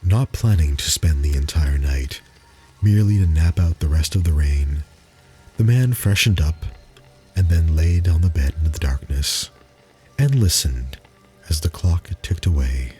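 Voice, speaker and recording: Male horror narrator: very low, slow, deliberate and suspenseful dramatic reading. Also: expressive, mellow, soft background music. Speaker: storyteller. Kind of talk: dramatic reading of a spooky story.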